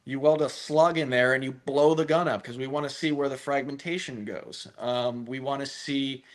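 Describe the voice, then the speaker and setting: A man's voice: mid-range voice, steady tone, moderate pace. A man from a firearms company, answering interview questions at length in a talkative, conversational way with frequent restarts. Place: live stream call.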